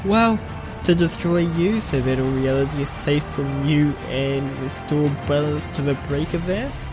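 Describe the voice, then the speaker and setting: An earnest heroic defender of a threatened world, acted out by a man in an amateur audio drama. He speaks slowly and theatrically in a slightly raised male voice. Faint music plays behind him. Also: fairly high pitch, natural voice, poor audio. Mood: resolute.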